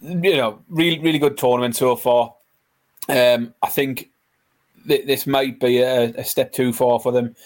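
A man's voice: medium pitch, fairly even intonation, a little slow. A man co-hosting a podcast, chatting casually and colloquially about sport. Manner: informal, colloquial. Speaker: podcast co-host.

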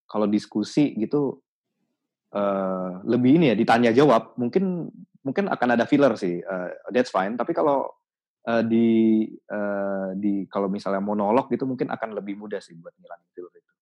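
A man in a casual podcast chat, explaining his advice thoughtfully with many pauses and restarts. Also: lowish voice, animated, darkish tone. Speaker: podcast guest.

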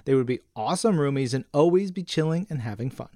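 A man's voice: medium pitch, animated, fast, a little mellow, dry recording, clean studio sound. A man co-hosting a casual comics fan podcast, chatting enthusiastically and reading out listener messages. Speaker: podcast co-host.

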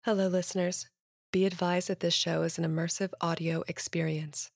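A woman calmly reading a listener advisory in a measured way. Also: on the low side, gravelly, no echo, studio quality. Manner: calm and measured. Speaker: content advisory announcer. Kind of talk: scripted announcement.

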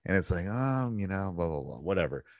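A male podcast co-host with a fairly low voice that swings up and down a lot as he jokes about himself. He talks casually, with restarts and asides. The sound is close and dry, with no room around it. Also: big pitch swings, brisk, darkish tone, dry recording. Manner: jokey, self-mocking, talks in restarts and asides. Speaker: podcast co-host, basketball coach. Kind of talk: casual chat.

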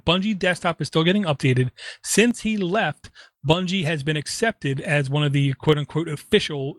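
An opinionated man from Ireland, co-hosting a tech podcast in animated bursts and pausing often on "um". His voice sits a bit high for a man. The recording is close and dry, with no room sound. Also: no room sound. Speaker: podcast co-host. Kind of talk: casual tech podcast chat.

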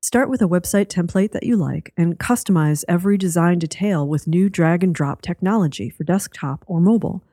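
A woman's voice: on the low side, a little fast, few pauses, warm tone, dry recording, clean studio sound. A woman announcing a sponsor message in a scripted ad-read style.

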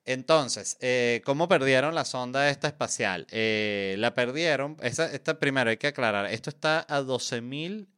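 A man hosts a casual podcast chat, joking and rambling with plenty of fillers. His voice is bright and smooth, sitting at a middle pitch. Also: normal speed, hardly any pauses. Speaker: podcast host.

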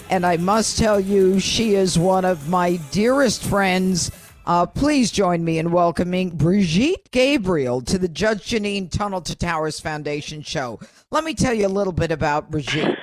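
A woman's voice: medium pitch, dry recording. An American woman hosting a radio talk show, who speaks emphatically with frequent "uh" fillers.

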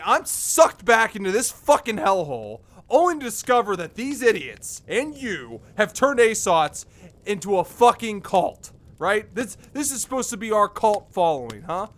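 A man's voice: a little high, lively intonation, a little slow, a bit bright. A man playing an exasperated, foul-mouthed character called old man, ranting sarcastically.

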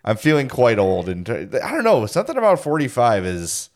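A man's voice: medium pitch, huge pitch swings, brisk. Joking forty-something male podcast host. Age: 40s. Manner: jokey, self-deprecating, laughs often. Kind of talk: casual sports podcast chat.

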